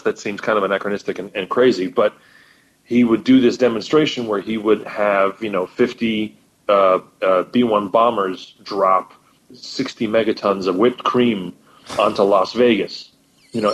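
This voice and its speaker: A man with a low voice talks as a guest on a podcast. He explains at length with stammering repeats. His recording sounds dull and lo-fi. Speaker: guest co-host. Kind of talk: casual chat.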